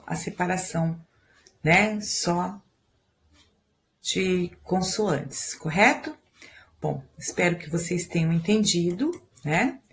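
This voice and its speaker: A woman teacher with a Brazilian Portuguese accent gives a recorded school lesson. She explains step by step, reads verse slowly and counts syllables aloud. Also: mid-range voice, slight background noise.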